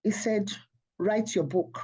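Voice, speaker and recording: A woman's voice: medium pitch, takes it slowly, husky. A woman from Nigeria, an author and Christian radio minister, telling her story earnestly as an interview guest. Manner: soft-spoken, earnest, laughs often.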